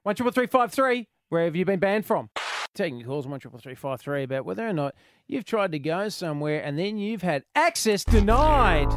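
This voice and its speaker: An Australian man hosting chatty talk radio and taking calls, joking and expressive in a blokey way. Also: sits high. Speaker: radio host.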